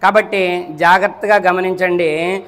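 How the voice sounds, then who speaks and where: High-voiced man preaching in an echoing hall. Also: steady tone, a little slow, fairly bright tone. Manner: rhetorical, keeps checking the listeners understand; repeats and counts off points. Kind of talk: Friday sermon. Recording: long echo of a large hall.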